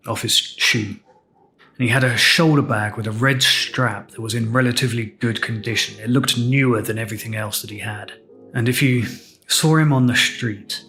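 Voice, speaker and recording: English male host, mid-pitched, candid storyteller, faint music bed. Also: sharp tone. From England. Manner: reflective, candid, unhurried recounting. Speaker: podcast host. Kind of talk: personal storytelling monologue.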